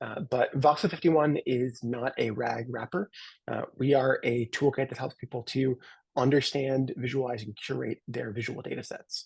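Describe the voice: Putting on a raspy character voice, a man speaks at a medium pitch. His pace is moderate and his intonation fairly even.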